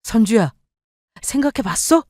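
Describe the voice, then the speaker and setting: A woman's voice: fairly high pitch, big pitch swings, unhurried, a little mellow, no room sound, clean studio sound. A woman voicing an eager, pushy young husband with a wheedling manner.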